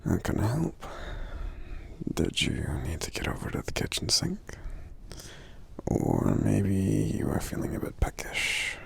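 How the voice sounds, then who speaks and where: A man playing a friendly, polite, protective giant in soft-spoken ASMR roleplay, breathy and gravelly, with hesitant, hum-filled pauses. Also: sits low, wildly swooping pitch, exaggerated voice. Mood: welcoming. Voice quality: breathy, gravelly, half-whispered. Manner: hesitant, courteous, unhurried, pausing with hums.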